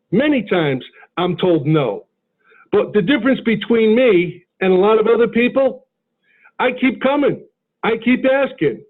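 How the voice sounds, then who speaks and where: A man giving a motivational sales talk, telling stories earnestly and acting out the dialogue. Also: high voice. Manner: earnest storytelling, acts out dialogue. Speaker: insurance sales mentor. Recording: tinny phone-like line.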